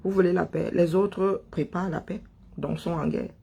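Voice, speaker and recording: High, gravelly man ranting. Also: steady tone, moderate pace, dark tone. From Cameroon. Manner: emphatic, rhetorical questions, repeats phrases for effect. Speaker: online political commentator. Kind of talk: impassioned political monologue.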